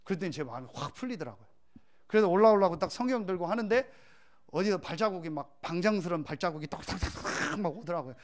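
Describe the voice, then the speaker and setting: High-voiced Korean pastor preaching. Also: male voice, animated, fast. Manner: storytelling, rises to loud emphatic rhetorical questions. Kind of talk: sermon.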